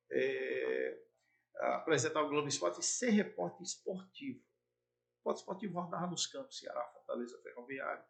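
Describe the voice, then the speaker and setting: A middle-aged man with a playful, animated way of telling stories about his years in radio and TV. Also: on the high side, gravelly. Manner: playful, animated storyteller with jumps in loudness. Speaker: former sports broadcaster and TV presenter. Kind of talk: casual storytelling interview.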